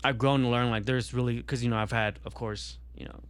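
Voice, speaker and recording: A man's voice: medium pitch, steady tone, a little fast, clear, resonant tone. A young man born in Vietnam, talking casually on a podcast and rambling with many fillers and restarts. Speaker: podcast guest.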